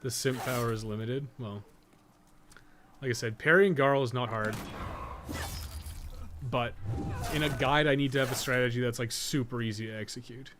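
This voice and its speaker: A man's voice: medium pitch, steady tone, normal speed, pauses often, background noise. A man doing casual live gameplay commentary, thinking aloud and swearing freely as he plays. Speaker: game streamer and guide writer.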